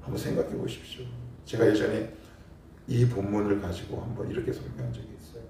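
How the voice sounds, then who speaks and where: A male pastor giving a lively sermon, asking his congregation questions and acting out little scenes. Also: lowish voice, fast talker, creaky, a little hiss or hum. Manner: animated preaching, acting out scenes and rhetorical questions. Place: church sanctuary. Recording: very echoey church hall, voice from a distance.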